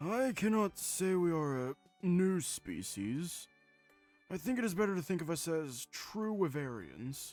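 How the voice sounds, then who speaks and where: A put-on character voice moves at a fairly slow pace over faint music in the background. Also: man, high pitch for a man. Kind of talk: formal. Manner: solemn, measured.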